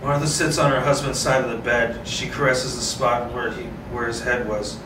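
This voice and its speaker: A man's voice: medium pitch, little pitch movement, moderate pace. A man reading a screenplay aloud and chatting casually, often repeating himself in a rambling way. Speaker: solo script reader and host. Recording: roomy, distant mic, clearly noisy.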